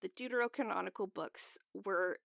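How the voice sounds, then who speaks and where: A woman's voice: medium pitch, moderate pace, vocal fry, fairly bright tone, dry recording, clean studio sound. A woman co-hosting a podcast, explaining a topic in a chatty, casual way. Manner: explanatory, chatty, laughs often. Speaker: podcast co-host. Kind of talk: casual chat.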